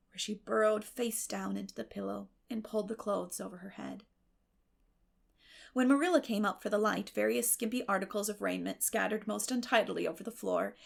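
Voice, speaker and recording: Creaky-voiced woman narrating a novel. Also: medium pitch. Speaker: audiobook narrator. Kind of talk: scripted literary narration.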